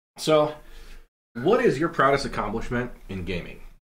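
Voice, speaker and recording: Amid audible room echo, a man talks with ordinary pitch variation. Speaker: streamer hosting hot sauce challenge. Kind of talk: casual live stream chat. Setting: live stream.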